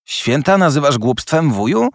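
A bright, eager young man who talks quickly and warmly, as a man puts him on. His lines leap up and down with energy, sounding dry. He comes from a storybook read aloud. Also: medium pitch, sing-song, dry recording, pitched above the performer's own voice. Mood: cheerful. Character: cheerful young man, warm-hearted nephew.

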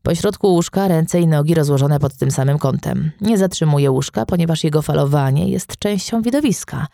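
A man narrating a crime novel audiobook in a steady, even storytelling manner. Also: a little high, normal speed, creaky, no room sound, clean studio sound.

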